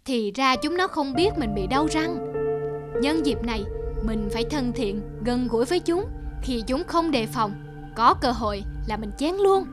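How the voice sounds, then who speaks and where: A woman's voice: high-pitched, lively intonation, unhurried. A woman voicing a wicked, greedy old male wolf in a cartoon, scheming and blustering as he talks. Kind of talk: cartoon voice acting. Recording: music behind the voice.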